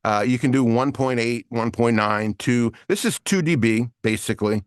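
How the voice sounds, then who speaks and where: A man's voice: medium pitch, moderate pace, smooth, no echo, studio quality. A man teaching an online voiceover lesson with screen share, explaining in a casual way with many fillers. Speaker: voiceover coach.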